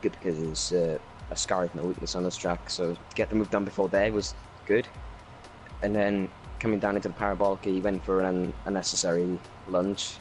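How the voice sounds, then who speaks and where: A Welsh man with a fairly low voice, recounting a race in a relaxed online interview. He rambles, leaning on ums and uhs, and quickens as the story builds. Faint music sits underneath. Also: rough recording. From Wales. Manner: rambling, lots of fillers, quickens when excited. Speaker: racing league driver. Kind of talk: casual post-race interview.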